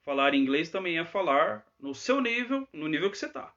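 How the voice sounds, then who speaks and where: A man's voice: a little high, sing-song, normal speed, fairly bright tone, highs cut off. A man teaching English in a live Q&A, chatty and always checking in with tag questions. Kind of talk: live Q&A lesson.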